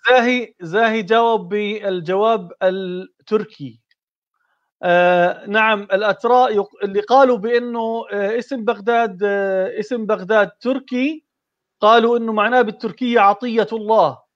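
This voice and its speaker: High-voiced man hosting a quiz. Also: steady tone, moderate pace, lo-fi sound. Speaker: quiz host reading answers.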